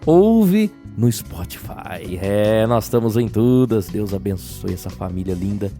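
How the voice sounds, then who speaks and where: A slightly hoarse Brazilian man hosting a casual religious radio show in a chatty way, often adding little tag questions. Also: fairly low pitch, expressive, a little slow, warm tone, faint music behind. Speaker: radio host.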